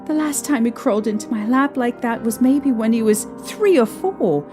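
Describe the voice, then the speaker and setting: A woman playing a young mother shaken by strange happenings, recalling them in a halting, hesitant way. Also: fairly high pitch, close to an everyday voice. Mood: troubled. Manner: hesitant, halting recollection with restarts. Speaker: interviewee recounting events. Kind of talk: fan audio drama acting. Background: faint music.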